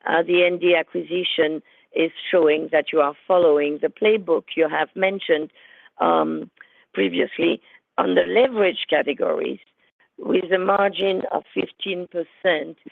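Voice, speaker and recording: Creaky-voiced woman calling in by phone. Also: fairly low pitch, expressive, unhurried, no echo. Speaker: financial analyst calling in with a question. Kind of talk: polite prepared question. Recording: narrowband phone line.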